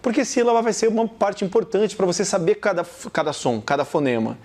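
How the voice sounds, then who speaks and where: Speaking straight to the viewer in a recorded video lesson, a Brazilian Portuguese-accented man repeats example words at a slow pace. His voice is high and a little mellow, with big swings in pitch.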